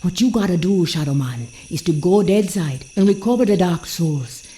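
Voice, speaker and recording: An actress voicing a commanding, seductive voodoo priestess in a video game, a mysterious mentor with a portentous, folksy way of talking. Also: female voice, fairly low pitch, lively intonation, normal speed, warm tone, a little hiss or hum, natural voice. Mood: grave, urgent. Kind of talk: dramatic game cutscene acting.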